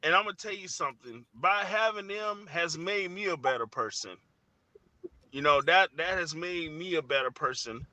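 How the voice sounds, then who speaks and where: A man in his forties with a somewhat high, very bright and forceful voice. He talks earnestly as a guest in a conversational interview, circling his thoughts with "you know" and frequent restarts. The sound is close and dry. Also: normal speed, no echo. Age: 40s.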